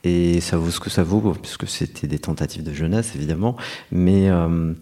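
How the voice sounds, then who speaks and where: Deep-voiced reflective middle-aged male novelist. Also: moderate pace, dark tone. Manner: reflective, earnest, speaks of himself at length with frequent hesitations. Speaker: novelist guest. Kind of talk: interview conversation.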